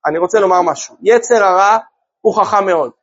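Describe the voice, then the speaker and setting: High-voiced man teaching a lively Torah class. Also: dull audio. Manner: lively, asks listeners rhetorical questions. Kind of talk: religious class to a group.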